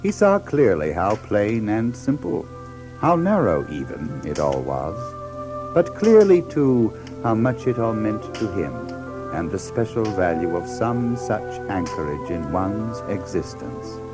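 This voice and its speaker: A man's voice: lowish voice, sing-song, unhurried, over music. A man narrating a children's story from a script.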